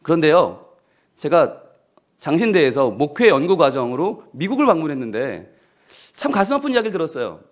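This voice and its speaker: A male pastor giving a sermon at a midweek church service, animated and humorous, often asking the congregation questions. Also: fairly high pitch, a little fast.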